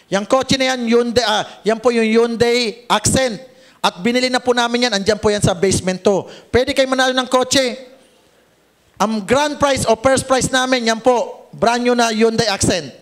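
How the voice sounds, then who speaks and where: A high-pitched man from the Philippines pitching a business plan to a seminar crowd. He jokes and teases the audience, often checking that they follow. His lively voice carries across a meeting room. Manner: joking, teasing the audience, asks "Tama?" often. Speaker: networking seminar presenter.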